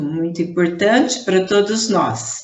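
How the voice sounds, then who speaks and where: A woman at medium pitch with ordinary pitch variation, fairly slow, in a room with audible echo. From Brazil, São José do Rio Preto (São Paulo state). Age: 60s. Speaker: art teacher. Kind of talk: oral history interview.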